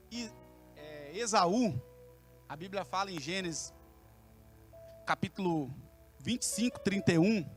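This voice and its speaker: Brazilian guy preaching at church, high voice, joking around in slangy storytelling, soft music underneath. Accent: Brazilian Portuguese. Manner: colloquial, humorous storytelling. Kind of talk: sermon. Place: church service.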